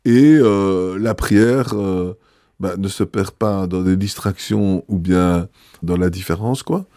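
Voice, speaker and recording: A man, a bishop answering interview questions in a thoughtful, hesitant way with many pauses. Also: sits low, warm tone, no room sound, clean studio sound.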